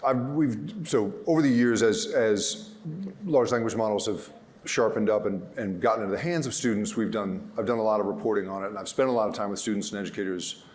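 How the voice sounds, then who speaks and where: Lower-voiced guy moderating a panel, journalist, restarts his questions a lot. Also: fairly quick, darkish tone. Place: conference stage.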